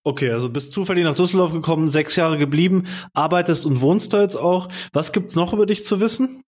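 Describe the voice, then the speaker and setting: A man hosting a casual marketing podcast, chatty and joking as he asks quick questions. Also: fairly high pitch. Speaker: podcast host. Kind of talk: casual interview.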